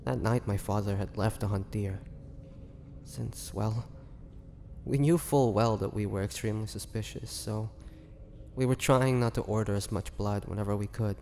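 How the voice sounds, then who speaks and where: A man playing a weary, bitter young half-vampire prisoner in a dramatic audio roleplay, speaking haltingly and sorrowfully. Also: on the low side, gravelly, dark tone. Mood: somber, grieving. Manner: slow, halting, sorrowful delivery with sighs and pauses. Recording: long hall reverb, faint noise.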